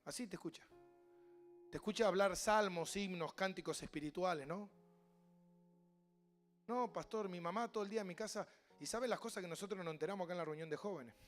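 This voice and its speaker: A man with an Argentine Spanish accent, a pastor preaching a sermon with passion, mimicking voices and building to loud cries. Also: high-pitched, a little fast, pauses often, soft background music.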